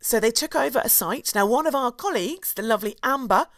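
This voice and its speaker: Hoarse chatty woman. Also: fairly high pitch, quick pace, no room sound. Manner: chatty, animated, many asides and restarts. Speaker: podcast co-host. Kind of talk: casual chat, storytelling history.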